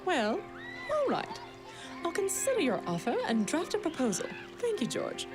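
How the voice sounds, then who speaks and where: A woman's voice: high voice, wildly swooping pitch, normal speed, loud music behind the voice. An actress playing a scheming businesswoman villain in a children's radio drama, affected and theatrical, falsely sweet and haughty. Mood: breezy, haughty.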